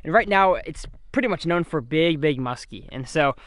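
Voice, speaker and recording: A man's voice: on the high side, animated, normal speed, a bit bright, dry recording. A young man filming a casual fishing vlog from a boat on a lake, upbeat and chatty. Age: young adult. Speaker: fishing vlogger. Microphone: chest-mounted camera.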